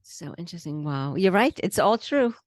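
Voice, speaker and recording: A woman's voice: lowish voice, big pitch swings, moderate pace, dry recording, clean studio sound. A woman hosting an interview who affirms her guest, laughs along and asks follow-up questions. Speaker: interview host.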